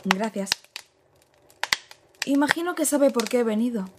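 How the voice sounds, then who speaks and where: Brief: actress doing a wry, teasing female newspaper reporter, higher voice, noisy amateur audio drama take. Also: expressive, unhurried. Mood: probing. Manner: ironic, teasing. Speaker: journalist. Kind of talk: radio drama acting.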